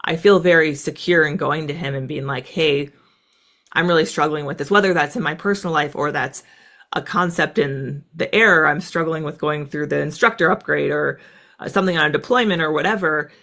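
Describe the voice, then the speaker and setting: A woman in her thirties from the United States, a guest in an interview, telling stories in a quick, animated way with plenty of "like" fillers. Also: sits low. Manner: fast, animated, lots of "like" fillers. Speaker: guest, former fighter pilot. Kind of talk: casual storytelling interview.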